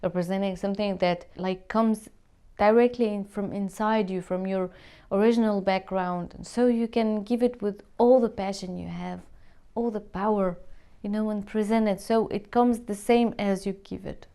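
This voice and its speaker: Earnest woman, smooth voice. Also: medium pitch, steady tone, moderate pace, mellow. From Syria. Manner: earnest, searching for words in a second language. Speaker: musician. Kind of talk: interview answers to camera.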